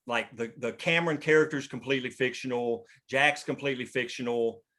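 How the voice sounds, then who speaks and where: A man's voice: mid-range voice, steady tone, fairly quick, fairly bright tone. A man talking casually and emphatically as a screenwriter, explaining his thinking in a rambling way. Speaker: screenwriter leading a script table read. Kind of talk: casual discussion.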